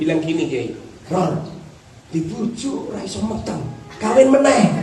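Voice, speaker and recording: A man with a Javanese accent talks at a moderate pace with lively intonation. Noticeable background noise and audible room echo fill the recording. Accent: Javanese-accented Indonesian. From Central Java. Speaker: Islamic cleric. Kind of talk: religious talk. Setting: Islamic boarding school gathering. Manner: animated.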